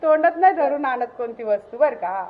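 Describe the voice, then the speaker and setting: A woman vlogger chatting casually and loudly urging her pet dog on. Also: expressive, brisk, reverberant, phone-quality sound, slight background noise. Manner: coaxing and urging the dog, often loud and high.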